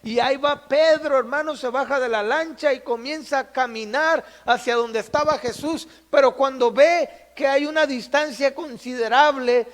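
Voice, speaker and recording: A man's voice: extremely high pitch, normal speed, hardly any pauses. A man preaching a sermon as pastor, retelling Bible stories and acting out their voices while addressing his brothers. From Mexico. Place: church. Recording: long church-hall reverb.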